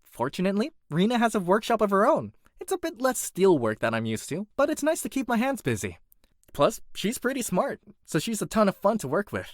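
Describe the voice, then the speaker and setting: A performer voicing an earnest, dutiful young blacksmith's apprentice and student in an animated character reel, conversational and expressive. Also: medium pitch, brisk, no room sound, clean studio sound. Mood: friendly.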